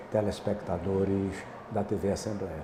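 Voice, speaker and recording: A man speaks at a fairly low pitch, with audible echo in the room. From Paraíba, northeast Brazil (João Pessoa). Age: 70s. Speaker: hospital director. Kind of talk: interview.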